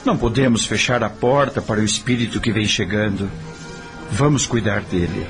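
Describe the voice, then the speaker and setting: An actor playing a repentant, earnest middle-aged father in a radio drama, with a Brazilian accent and a solemn, deliberate delivery. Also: lowish voice, music in the background, lightly acted. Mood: earnest, firm.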